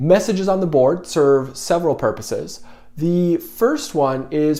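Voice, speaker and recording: A man with a General American accent, moderate pace, and lively intonation, plus noticeable background noise. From Arizona. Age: 20s. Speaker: online video creator. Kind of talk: monologue to camera. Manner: casual.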